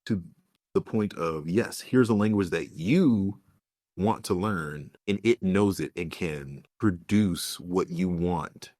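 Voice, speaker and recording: A man with a very deep voice co-hosts a casual podcast. He talks in a relaxed, storytelling way and often quotes other people. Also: takes it slowly, no room sound, studio quality. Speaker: podcast co-host. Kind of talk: casual chat.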